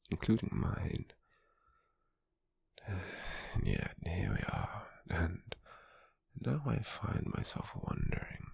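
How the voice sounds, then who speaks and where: In a close-miked, dry ASMR roleplay, a deep-voiced British man plays a cold, possessive slave merchant, a controlling captor who is also intrigued. He speaks in a breathy, gravelly half-whisper, slow, measured, formal and condescending, with a musing, curious mood. There's no echo, and he stays fully in character.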